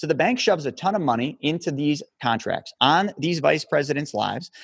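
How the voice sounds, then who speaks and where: Recorded with a dry, close sound and no echo, a man talks in an unremarkable speaking voice. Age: 40s. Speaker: financial educator. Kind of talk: interview. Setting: video call.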